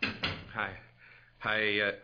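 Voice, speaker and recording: A man's voice: fairly low pitch, monotone, extremely slow. A man acting a nervous, deferential club steward in a 1940s radio drama, formal and stammering. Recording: dull, noisy vintage radio recording.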